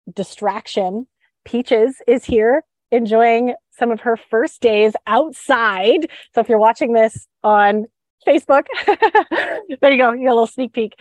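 A woman's voice: fairly high pitch, no room sound. A chatty woman hosts her show from home, talking to live viewers with lots of fillers and restarts. Her voice is stuffed up from a head cold. The sound is close and dry, with no room around it. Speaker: podcast host and sugar freedom coach. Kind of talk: casual live-stream talk.

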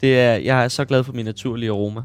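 A man's voice: medium pitch, steady tone, clear, resonant tone. A man co-hosting a podcast, telling a shop story in casual chat and laughing often. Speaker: podcast co-host.

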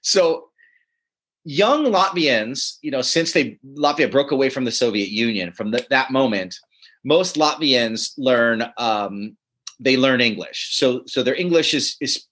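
A man in a relaxed conversation, telling stories with animated energy and frequent chuckles. He restarts sentences as he goes, and his voice sits at an ordinary middle pitch for a man. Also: a little slow. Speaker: comedy writer and teacher. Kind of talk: casual interview storytelling.

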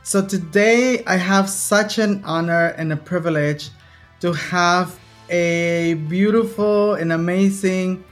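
A woman hosting a podcast, giving a ceremonial introduction in an effusive, deliberate way. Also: fairly low pitch, faint music behind. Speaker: podcast host.

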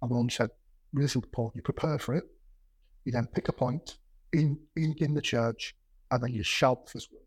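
He is a middle-aged business executive whose mid-range, slightly rough voice holds a steady tone at a fairly quick pace. His stammer causes repeated sounds and words as he speaks plainly in a reflective, conversational interview full of anecdotes. There is no room sound in the recording.

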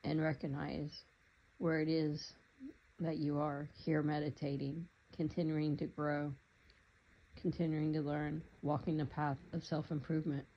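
Meditation guide, steady flat delivery, soft calm instructions, slightly muffled lo-fi recording. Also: mid-range voice, slight background noise. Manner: calm, unhurried, gently instructive.

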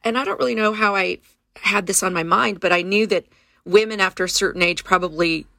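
Earnest woman with a bright voice, telling her story. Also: medium pitch, fairly quick, creaky, no room sound, studio quality. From California. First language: Spanish. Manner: earnest, with many restarts. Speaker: guest. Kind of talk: reflective interview conversation.

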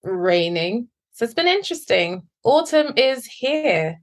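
A woman born in Guyana and raised in England, co-hosting a casual podcast chat in a relaxed way, quick to laugh. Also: fairly high pitch. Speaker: podcast co-host.

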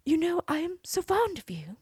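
A woman's voice: very high voice, sing-song, moderate pace, a little mellow, dry recording, studio quality, pitched above the performer's own voice. A woman doing a sweet wheedling princess. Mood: coaxing. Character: young princess, coaxing and cunning.

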